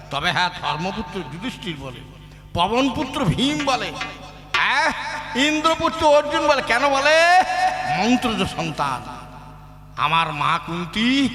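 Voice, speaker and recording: A man performing kobigaan, a folk poet-singer who moves between sung verses and spoken argument, putting questions straight to the audience. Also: sits high. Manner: declaiming, swinging between sung lines and argument to the crowd. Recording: echoey hall, music behind.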